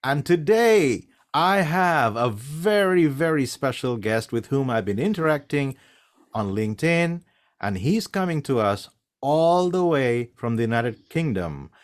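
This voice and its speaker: A man's voice: medium pitch, animated, a little slow. A man hosting an interview show over a video call, welcoming guests with enthusiastic introductions. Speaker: host.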